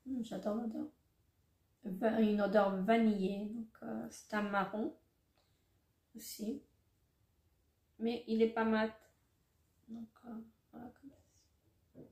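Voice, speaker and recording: Amid a roomy echo and faint noise, a middle-aged vlogger with a fairly high, darkish voice opens beauty products. She's casual but hesitant, filling pauses and correcting herself often.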